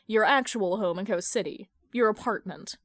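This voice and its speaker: A woman voicing a stern, sharp-witted female friend who questions pointedly, like a prosecutor, in an audio fan fiction reading. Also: medium pitch, dry recording, clean studio sound. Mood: probing. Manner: pointed, interrogating, deliberate.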